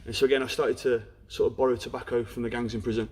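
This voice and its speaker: A man's voice: mid-range voice, little pitch movement, rapid-fire, darkish tone. A young man with a Black Country accent, frankly telling his life story as an interview guest. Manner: frank, storytelling, peppered with "you know". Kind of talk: candid personal story in a podcast interview.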